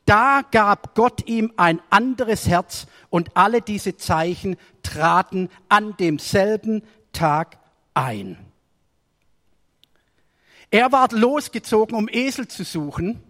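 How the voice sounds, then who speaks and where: High-voiced preacher in a reverberant hall. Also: male voice, animated, slow. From Germany. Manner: storytelling sermon with swings between raised emphasis and quiet asides. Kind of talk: sermon.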